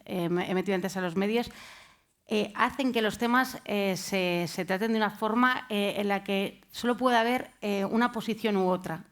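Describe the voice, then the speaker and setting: A woman journalist speaking on a discussion panel, pausing often with fillers. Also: mid-range voice. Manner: hesitant, many fillers.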